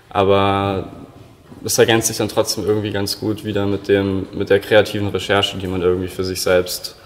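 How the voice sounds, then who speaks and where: Flat-voiced young man from Munich. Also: low voice, slight background noise. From Munich, Germany. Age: 20s. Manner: loose, filler-heavy, many "irgendwie". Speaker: stage design student. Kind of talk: casual interview talk. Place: indoor studio room.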